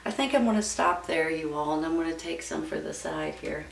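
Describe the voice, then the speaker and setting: Creaky-voiced woman, roomy distant recording. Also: low voice, brisk. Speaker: tarot reader. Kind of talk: casual tarot reading addressed to viewers. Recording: roomy, distant mic with background noise.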